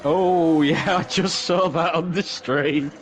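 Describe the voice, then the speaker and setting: A man's voice: fairly high pitch, fairly even intonation, takes it slowly, a little hiss or hum. A man co-commentating on an online racing league with dry, wry humour. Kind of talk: casual sim racing commentary.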